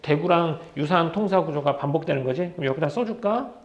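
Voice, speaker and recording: A man's voice: on the high side, expressive, quick pace. A male teacher giving a literature lecture, firing questions at his students and answering them himself. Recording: roomy, slightly dull lecture recording.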